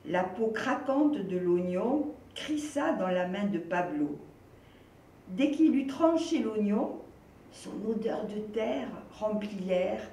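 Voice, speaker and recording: An older woman, a volunteer reader, reading a children's picture book aloud in a slow, gentle, expressive way. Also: medium pitch, slight background noise. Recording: roomy echo, distant mic.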